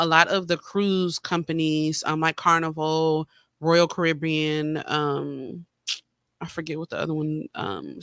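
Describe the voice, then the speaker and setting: A man's voice: fairly high pitch, sharp tone, smooth, no echo. A man hosting a podcast, chatting casually with lots of fillers and sounding a little congested from a cold. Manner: chatty, rambling with many fillers. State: slightly congested, getting over a cold. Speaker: podcast host. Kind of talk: casual solo chat. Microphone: streaming mic.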